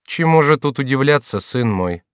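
A man voicing a calm, cold older woman, a queen mother, in a storybook reading. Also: mid-range voice, smooth, no room sound, studio quality, pitched above the performer's own voice, close to an everyday voice. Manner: calm, cool, measured.

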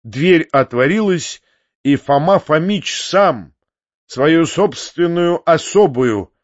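A man reading a classic novel aloud as a first-person narrator, in a measured and expressive manner. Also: on the high side, no room sound, highs cut off. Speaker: audiobook narrator.

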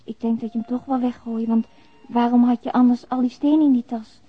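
An actress playing a young woman voicing her farewell letter in a radio drama, soft, intimate and apologetic. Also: fairly high pitch, steady tone, a little fast, husky, no echo, narrow, tinny audio, faint music behind. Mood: tender apology.

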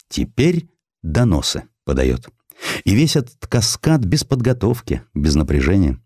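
A man narrating a historical sketch in an expressive scripted style, with dramatic, deliberate phrasing. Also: lowish voice, no room sound, studio quality. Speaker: audiobook narrator.

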